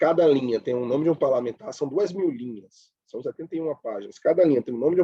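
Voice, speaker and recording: This man talks at a very fast pace with ordinary pitch variation. His voice is fairly high in pitch. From Recife, Pernambuco, Brazil. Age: young. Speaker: newspaper reporter. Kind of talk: interview. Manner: halting.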